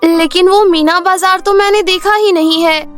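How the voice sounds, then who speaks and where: Woman as a very high-pitched, meek little girl. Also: fairly even intonation, normal speed, fairly bright tone, faint music behind. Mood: wistful, curious. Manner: polite, innocent, timid. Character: meek, sweet little schoolgirl, motherless and timid. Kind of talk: Hindi cartoon storybook acting.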